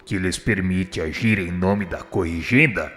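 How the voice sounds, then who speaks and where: Deep-voiced benevolent spirit guide, solemn supplication, formal radio drama delivery, long reverb over music. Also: male voice, measured pace, fairly bright tone. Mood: solemn persuasion. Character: kind, humble male spirit instructor, pleading and dignified.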